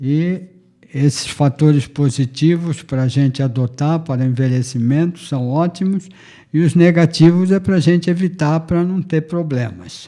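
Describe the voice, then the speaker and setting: Against a quiet background, a man talks at a fairly slow pace in a dark, mellow tone with a fairly high pitch. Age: 70s. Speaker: TV host and newspaper publisher. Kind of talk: monologue to TV audience.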